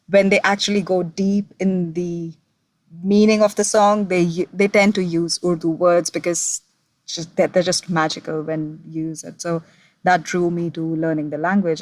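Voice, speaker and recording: A woman talks at a moderate pace in a Punjabi accent. Her pitch is fairly low. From India. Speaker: voice actor. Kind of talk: interview.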